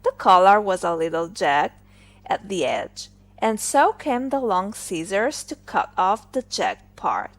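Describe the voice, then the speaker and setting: A woman narrating a fairy tale for English learners, deliberately and phrase by phrase. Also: medium pitch, sing-song. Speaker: storyteller.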